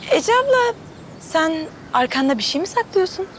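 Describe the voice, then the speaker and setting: A bright, high-voiced little sister. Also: female voice, normal speed, slight background noise. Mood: chatty. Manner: earnest, excitable. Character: young woman, eager little sister who draws. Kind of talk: TV drama acting. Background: music.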